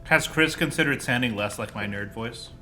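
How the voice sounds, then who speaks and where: A man's voice: medium pitch, moderate pace, bright, forceful tone, faint music behind. A young man streaming a video game, talking casually with sarcastic, profane jokes.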